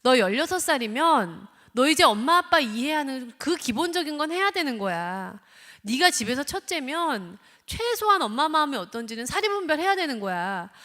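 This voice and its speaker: A woman acting out a furious mother who berates and insults her teenage son with shouted demands, heard in a church hall. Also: fairly high pitch, expressive, brisk. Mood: furious scolding.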